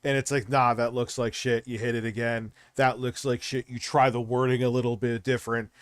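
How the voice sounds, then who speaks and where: A man's voice: mid-range voice, little pitch movement, a little fast, smooth, no room sound, studio quality. A man hosting a livestream, talking casually and rambling, with lots of swearing. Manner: profane, rambling, conversational. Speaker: streamer and show host.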